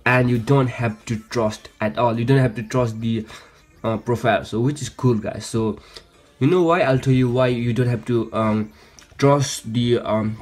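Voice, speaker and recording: Male tech tutorial host, mid-range voice, casual and halting delivery, faint music underneath. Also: medium pitch, a little mellow. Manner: hesitant, repetitive phrasing with frequent stumbles. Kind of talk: casual how-to screen demonstration. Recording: music behind, some background noise.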